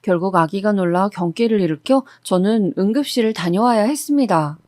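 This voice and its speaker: Brisk and medium-pitched, a woman tells a true story from her own life in an even, steady narrative style. The close studio mic yields a dry recording.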